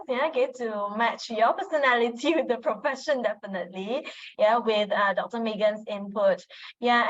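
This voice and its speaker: A woman moderating a live webinar who fills her talk with "yeah, okay" and "you know". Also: fairly high pitch. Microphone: video call. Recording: dull lo-fi video call audio.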